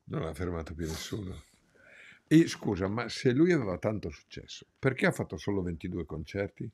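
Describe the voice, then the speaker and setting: Man, talk host, husky voice, lively up-and-down pitch, teasing interjections. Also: brisk. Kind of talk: casual interview chat.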